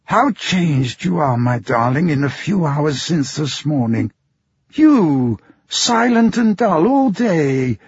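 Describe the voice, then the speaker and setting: A man doing a gentle, faltering old father. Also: fairly high pitch, big pitch swings, takes it slowly, slightly rough, heavily acted. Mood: tender, worried. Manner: soft-spoken, faltering. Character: gentle old toymaker father, anxious and soft. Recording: muffled, dry, lo-fi.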